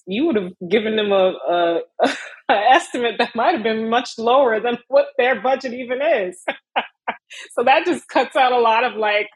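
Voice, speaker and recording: A young woman from Miami, an illustrator talking casually in an interview, animated with frequent laughs and fillers. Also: medium pitch, husky, no room sound, low-quality recording. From Miami, USA. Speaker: illustrator guest.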